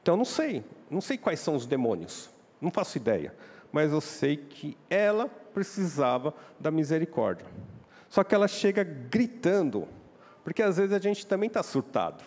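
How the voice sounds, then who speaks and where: Male Brazilian preacher, lively and animated pitch, church reverb. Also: normal speed. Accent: Brazilian Portuguese. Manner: questions the congregation, acts out quoted voices. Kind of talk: sermon. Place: church hall.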